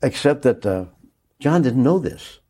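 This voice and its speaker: An older man recalling a day he covered on air, speaking haltingly with many restarts and a moved, choked-up tone. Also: mid-range voice, very animated, dark tone, husky. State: moved, choking up. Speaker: interviewee recalling a broadcast. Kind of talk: reflective interview recollection.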